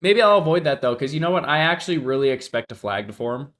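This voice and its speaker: Fast-talking and lively in intonation, this man has a higher, somewhat bright voice. He's a trader on a casual live stream, congested and sniffling, thinking aloud, talking to his chat and frequently trailing off.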